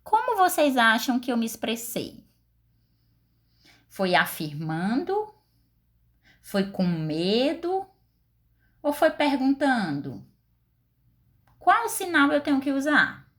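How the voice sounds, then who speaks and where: A woman teacher with a Brazilian Portuguese accent speaks slowly and deliberately, her pitch rising and falling widely. She walks her pupils through each step and keeps asking them questions. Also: huge pitch swings. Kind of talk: recorded class lesson.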